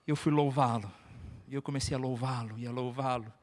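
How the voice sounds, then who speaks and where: In a hall with long, echoing reverb, a Brazilian pastor delivers a sermon built on personal stories, hammering home points by repeating phrases. He speaks briskly at a medium pitch, with a steady, slightly mellow tone.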